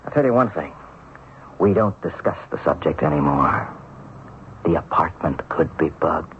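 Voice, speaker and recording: An actor playing a wronged, determined ex-banker in a radio mystery drama, speaking earnestly and persuasively. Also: male voice, very deep voice, expressive, moderate pace. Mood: uneasy. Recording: muffled, noisy old radio broadcast.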